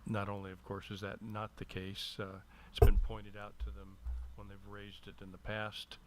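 A man speaking in a measured, lawyerly way as he gives formal but halting remarks at a public meeting. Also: fairly low pitch, monotone. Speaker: city attorney. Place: indoor council meeting room. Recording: noisy room public-meeting microphone.

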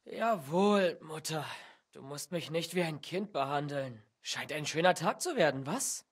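An actor voicing a lazy young villager in a medieval video game, making cheeky excuses. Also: male voice, on the high side, expressive, a little slow, breathy edge. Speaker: game character.

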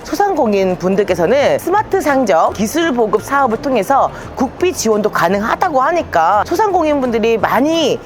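A woman's voice: fairly high pitch, big pitch swings. A woman hosting a vlog, reporting on site at an exhibition and reacting readily to what she is shown. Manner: reactive, quick to interject in agreement. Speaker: vlog host. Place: large indoor exhibition hall with demo booths. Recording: music behind, busy exhibition venue.

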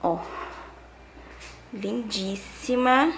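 A woman's voice: fairly high pitch, extremely slow, gravelly, fairly bright tone, slight background noise. A woman in her twenties with a Minas Gerais Brazilian accent, chatting to viewers while she cleans her apartment. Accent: Brazilian Portuguese, Minas Gerais. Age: 20s. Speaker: vlogger. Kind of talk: casual cleaning vlog chat. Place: apartment kitchen and terrace, indoors.

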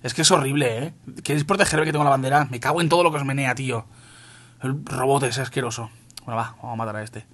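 Talking fast in a steady, medium-pitched and slightly bright voice, a young Spanish YouTuber with a Castilian accent narrates a mobile shooter match for his audience. He keeps it casual, curses freely, and addresses everyone as "tío".

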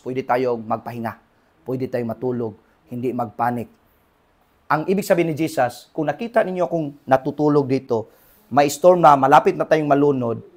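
A Filipino man preaching a sermon in church, swinging between loud exhortation and quiet talk and calling for amens. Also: on the high side. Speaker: pastor. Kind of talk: preaching sermon, Tagalog-English mix. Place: church in Hong Kong.

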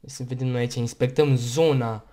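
A man's voice: medium pitch, fairly even intonation, dark tone. A man with a Romanian accent giving casual gameplay commentary, chatty and rambling, hiccuping and tired, on a headset mic at home. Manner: chatty, rambling, talks in bursts between hiccups. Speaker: gaming YouTuber.

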